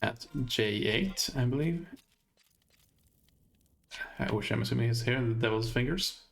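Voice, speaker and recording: Slow, gravelly Swedish-accented man. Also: medium pitch, animated, a bit bright. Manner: thinking aloud while navigating, hesitant. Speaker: let's play host. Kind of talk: gameplay commentary.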